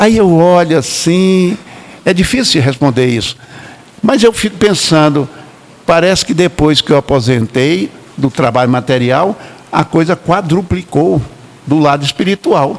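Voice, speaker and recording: The speaker uses lively intonation at a fairly slow pace, with long, frequent pauses and very even loudness, against noticeable background noise. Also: man. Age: 70s. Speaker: spiritist lecturer. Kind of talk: sermon.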